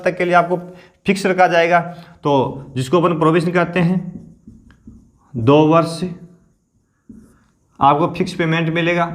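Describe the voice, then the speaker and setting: A male coaching teacher with a sore throat, clearing his throat as he explains a lesson slowly and repeats the figures. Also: on the high side. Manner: explains slowly, repeats figures, keeps asking "theek hai na".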